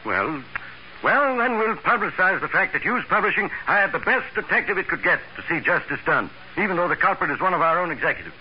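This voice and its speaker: A man's voice: sits high, big pitch swings, fairly quick. An actor playing a fretful, self-important male company boss in a 1940s radio drama, formal and insistent. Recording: muffled, hissy old radio recording.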